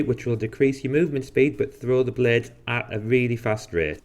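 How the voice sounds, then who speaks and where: A man's voice: medium pitch, darkish tone. Guy going over game perks for his channel, chill, a bit sarcastic here and there. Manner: casual, dry sarcastic asides. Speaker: gaming video host. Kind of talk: game guide commentary.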